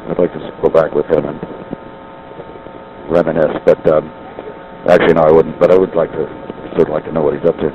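A man's voice: extremely low pitch, level tone, fairly quick, long pauses, phone-quality sound, slight background noise. A middle-aged man talking over a payphone line from a city street, musing and rambling, often correcting himself. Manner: musing, digressive, self-correcting. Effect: heard over a payphone line. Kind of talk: rambling monologue on a phone line.

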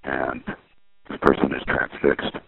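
A man's voice: rumbling low, completely flat delivery, measured pace, gravelly, slightly rough, no echo, narrow, tinny audio. A middle-aged man talking over a payphone line from a city street, musing and rambling, often correcting himself. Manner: musing, digressive, self-correcting. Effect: heard over a payphone line. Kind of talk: rambling monologue on a phone line.

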